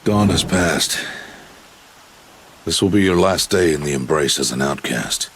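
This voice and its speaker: An actor playing a stern middle-aged tribal outcast hunter and mentor in a video game, speaking in a solemn, measured, commanding way. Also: male voice, low-pitched, animated, breathy edge, heavily acted. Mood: solemn, instructive. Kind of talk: dramatic video game cutscene acting.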